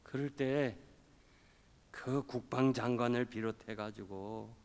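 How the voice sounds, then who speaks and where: A male pastor preaching a revival sermon, telling a story and acting out the quoted voices, swinging between loud and soft. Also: mid-range voice, fairly even intonation, slow pace. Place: church sanctuary. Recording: long hall reverb.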